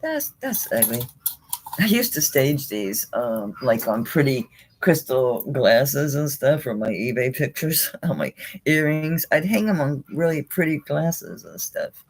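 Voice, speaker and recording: A woman with an extremely low, husky voice, big pitch swings and an unhurried delivery hosts a live jewelry auction over poor audio. The online seller is casual and talkative, laughing often and chatting to herself as she handles the jewelry.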